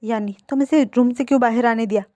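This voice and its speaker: A woman voicing a stern middle-aged father who gives quiet, firm orders while reading a fan fiction story. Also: fairly high pitch, quick pace, lightly acted.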